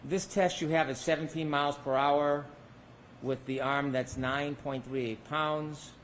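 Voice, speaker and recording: A man's voice: a little high, steady tone, unhurried, slight background noise. A man working as a defense attorney, cross-examining a witness with pointed leading questions that end in tags, heard in a courtroom recording.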